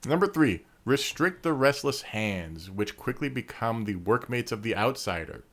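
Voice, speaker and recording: A man's voice: medium pitch, expressive, moderate pace, a bit bright. A man co-hosting a podcast, teasing in casual chat and reading long lore passages aloud. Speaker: podcast co-host.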